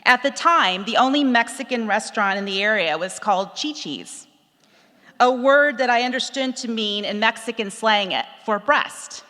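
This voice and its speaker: A middle-aged woman from Texas reading a personal essay aloud, in a reflective, measured storytelling manner. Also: on the high side, bright, forceful tone. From Texas, USA. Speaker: speaker telling a personal story. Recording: long hall reverb.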